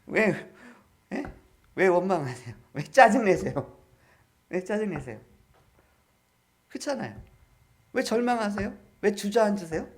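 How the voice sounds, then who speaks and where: A man's voice: sits high, expressive, a little slow, long pauses. A man preaching as a pastor in church, throwing questions at the congregation and calling for amens. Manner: peppers the congregation with questions and calls of amen. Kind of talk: sermon.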